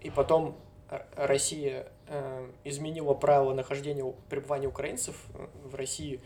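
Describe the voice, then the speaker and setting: Flat-voiced Siberian-born man, hedging. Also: mid-range voice, normal speed, slight background noise. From Novosibirsk, Siberia, Russia. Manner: relaxed, hedging with frequent fillers, chuckles often. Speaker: guest. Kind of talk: casual conversation.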